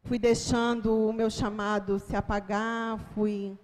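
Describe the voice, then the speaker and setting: A woman's voice: mid-range voice, flat delivery, slow, a little mellow. A Brazilian woman giving a sermon testimony in church, telling her story dramatically and rising into fervent proclamation. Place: church hall. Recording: long church hall reverb.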